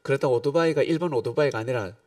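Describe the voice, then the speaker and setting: A middle-aged man preaching a sermon, telling stories with animated swings between calm teaching and loud bursts. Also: medium pitch, fast talker, no echo, studio quality, recorded from a distance. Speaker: pastor.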